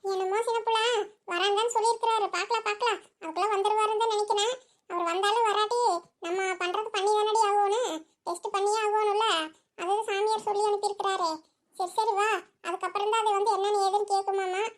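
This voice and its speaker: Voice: extremely high pitch, level tone, fast. A performer voicing a middle-aged village aunt in a cartoon, who scolds and chatters. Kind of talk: cartoon voice acting.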